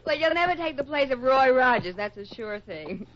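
Breezy Hollywood starlet: young, wry, teasing wit, muffled vintage radio sound. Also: female voice, sits high, animated, normal speed. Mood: amused, teasing. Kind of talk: 1950s radio Western acting. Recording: dull lo-fi old radio recording.

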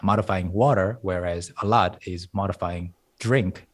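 A man's voice: low-pitched, normal speed. A man whose first language is Korean, speaking English in a casual interview and explaining language ideas with examples and analogies. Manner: thoughtful, explains with examples and analogies, laughs lightly. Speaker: guest, Korean language teacher.

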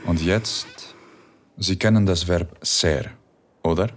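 An actor playing a calm, seductive male philosophy professor who gives slow, measured commands in an erotic audio drama. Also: low-pitched. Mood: stern. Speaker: philosophy professor tutoring Spanish.

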